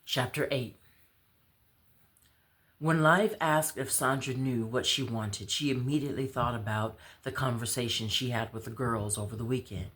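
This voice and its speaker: A woman's voice: very deep voice, normal speed, fairly bright tone. Female author-storyteller, narrative read-aloud of a novel. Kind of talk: expressive read-aloud of fiction.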